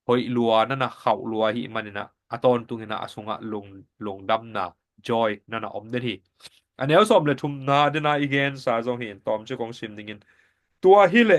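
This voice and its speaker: A man giving a Sabbath School Bible lesson in a steady, explanatory teaching manner. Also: medium pitch.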